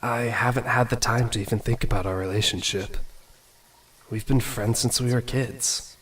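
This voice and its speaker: A man playing an awkward, self-doubting young prince musing to himself in a fan audio drama, with a husky voice. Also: medium pitch, fairly even intonation, moderate pace, fairly bright tone, recorded from a distance, slight background noise, lightly acted. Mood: wistful musing. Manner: casual, introspective musing.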